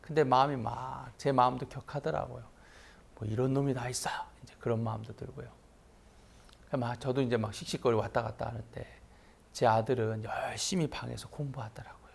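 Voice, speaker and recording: Man, pastor, middle-aged, gravelly voice, mid-pitched, storytelling sermon. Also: fairly quick. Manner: lively anecdotal preaching, voice rising sharply for emphasis.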